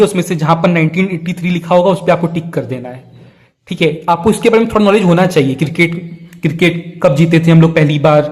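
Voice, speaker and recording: A man's voice: fairly high pitch, darkish tone. A young man teaching an exam-prep lesson, explaining step by step, often checking in with fillers and putting questions to his students.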